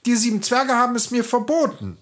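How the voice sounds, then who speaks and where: A storyteller voicing Snow White, an innocent young girl who sounds high, timid and obedient. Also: a little fast, a bit bright, close to an everyday voice.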